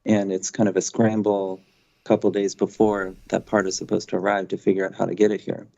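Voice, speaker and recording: Gravelly, mellow low-voiced executive man. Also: completely flat delivery, a little fast. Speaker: company executive on an earnings call. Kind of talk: business briefing, answering analyst questions. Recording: dull, lo-fi conference call audio.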